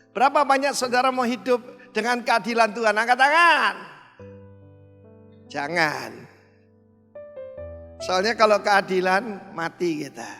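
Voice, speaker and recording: A pastor delivers an animated sermon, his fairly high male voice jumping to loud exclamations. The sound rings with the long reverb of a large hall. Soft music plays faintly underneath. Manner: animated preaching with sudden loud outbursts.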